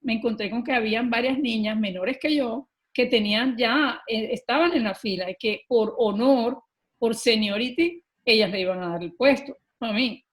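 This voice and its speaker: A middle-aged woman with a Colombian accent speaks in a slightly high voice. She tells her own story as a podcast guest, earnest and lively. She often pauses on small filler words before carrying on. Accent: Colombian Spanish. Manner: earnest and animated, often pausing with "eh" and "este". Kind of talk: personal storytelling in an interview.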